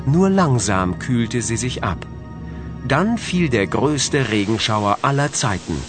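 A man giving calm, scripted educational narration for children. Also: medium pitch, slow pace. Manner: calm, explanatory. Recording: narration over background music.

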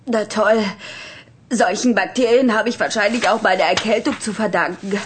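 A woman's voice: medium pitch, fairly even intonation, moderate pace, background noise, close to an everyday voice. A woman voicing an impatient, sarcastic girl with a cold who dreams of making music. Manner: sarcastic, restless. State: has a cold. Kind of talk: children's cartoon voice acting.

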